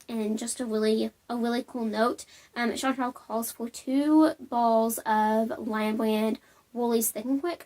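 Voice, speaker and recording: A knitting podcast host from Alabama does a casual show-and-tell vlog in a bright-pitched voice. She's chatty and upbeat, full of ums and likes, and sounds sniffly from a cold.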